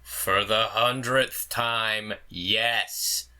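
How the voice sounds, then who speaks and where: An actor in an audio drama playing a skeptical, level-headed royal attendant with a measured, deliberate delivery. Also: medium pitch, fairly even intonation, pushed and bright, clear, resonant tone, full character voice. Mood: exasperated.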